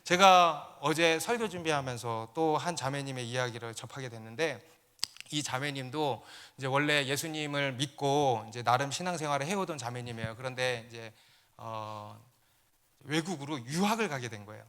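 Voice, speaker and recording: A man's voice: medium pitch, normal speed, a bit bright, clean tone. A man, a pastor, preaching a sermon, telling stories and building to emphatic peaks. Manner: storytelling, rising to emphatic peaks.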